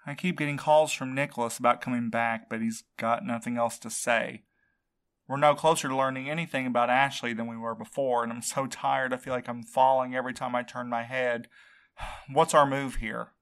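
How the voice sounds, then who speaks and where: A man's voice: medium pitch, fairly even intonation, normal speed, a bit bright, clear, resonant tone, close to an everyday voice. A man playing an exhausted, worried courier in an audio drama, earnest and weary in manner. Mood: exhausted, frustrated. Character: exhausted, worried male courier missing his partner. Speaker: actor in a fiction podcast. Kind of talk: naturalistic audio drama acting.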